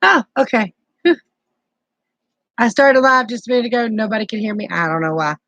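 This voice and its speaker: A Southern US woman in her forties, a keto vlogger, chats casually on her live stream, greeting viewers by name while soothing her grandbaby. Her voice is fairly high, bright and expressive, and she talks a little fast. The recording has no room sound.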